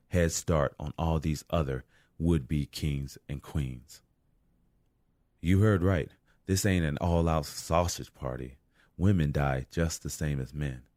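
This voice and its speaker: A man's voice: extremely low pitch, darkish tone, dry recording, clean studio sound. An actor playing a weary, wry, street-smart man surviving a deadly night, muttering and sighing through an audio drama monologue.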